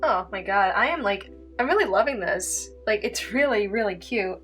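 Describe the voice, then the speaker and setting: Walking through a painting tutorial, a young woman from Canada, a native Italian speaker, keeps things chatty and giggly, with plenty of "like" and "um." She speaks at a normal speed in a mid-range, slightly bright voice with lively intonation. Faint music plays behind her.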